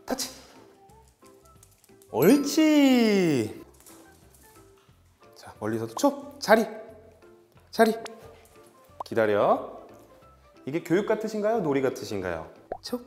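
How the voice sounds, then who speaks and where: In an echoey hall with faint music, a male dog trainer and behavior vet leads a lively training demo. His voice is a little high and swings hugely in pitch as he bursts into cheerful praise and rapid commands.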